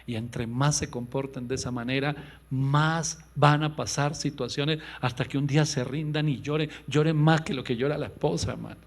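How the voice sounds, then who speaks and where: A male pastor delivering an impassioned sermon, swinging between loud, raised lines and hushed, low ones, and acting out quoted voices in a higher pitch. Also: steady tone, moderate pace. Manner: impassioned preaching with sudden loud rises and hushed drops. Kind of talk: radio sermon.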